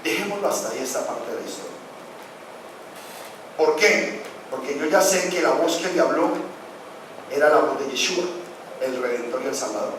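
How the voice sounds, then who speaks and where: A man with a fairly high voice teaches a sermon in a church hall, explaining carefully and tossing rhetorical questions to his listeners. He sounds far from the mic, in a heavily echoing room with faint noise underneath. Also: animated, moderate pace, long pauses. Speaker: pastor teaching a Bible class.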